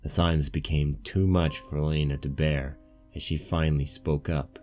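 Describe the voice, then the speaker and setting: Male story narrator, deep and soft-edged, scripted read. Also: level tone, moderate pace, faint music behind. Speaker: narrator of a fan fiction reading.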